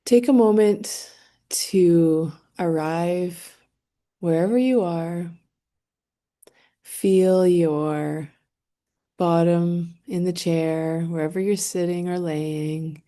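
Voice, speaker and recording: A woman guides a meditation, her fairly low voice gentle, soothing, and steady in tone. She speaks in short phrases separated by long, unhurried pauses.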